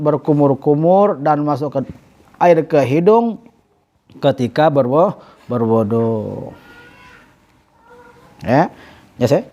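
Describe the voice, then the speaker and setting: A man teaching a religious study class, reading Arabic phrases slowly, then explaining them with many halting self-corrections and a repeated "ya". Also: fairly high pitch, warm tone. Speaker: ustadz teaching a kitab class. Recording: dull lo-fi recording.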